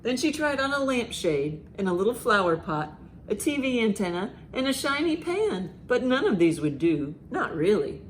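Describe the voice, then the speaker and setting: A woman hosting a children's storytime, reading aloud and reciting rhymes with expressive, deliberate emphasis. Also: fairly high pitch, slight background noise. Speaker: library storytime host.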